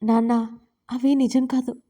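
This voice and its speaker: A woman's voice: high-pitched, little pitch movement, unhurried, warm tone. Woman voicing a timid pleading young bride.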